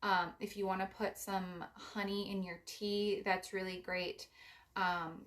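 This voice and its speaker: A young woman with a raspy voice giving a casual spiritual card reading, meandering with gentle advice. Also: medium pitch, little pitch movement, measured pace. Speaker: psychic card reader.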